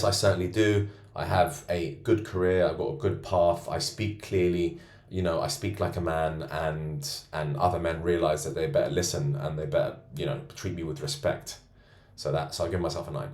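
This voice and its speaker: Deep-voiced boastful man in roomy echo. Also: darkish tone. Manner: boastful and self-assured. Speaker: men's self-improvement coach. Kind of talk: self-rating monologue to camera. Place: co-working space.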